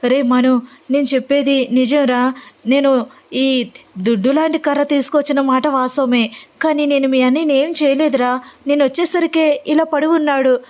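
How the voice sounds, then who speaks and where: A woman's voice: high voice, steady tone, moderate pace, darkish tone, pitched above the performer's own voice, natural voice. A woman doing a fiery, defiant young woman. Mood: pleading. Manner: bold and confrontational.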